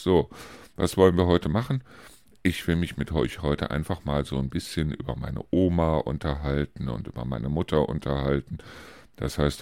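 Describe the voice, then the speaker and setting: A man's voice: a bass voice, creaky, darkish tone, dry recording, clean studio sound. A man in his fifties from Germany, hosting a casual podcast monologue, rambling and chatty with frequent hesitations. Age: 50s. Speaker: podcast host.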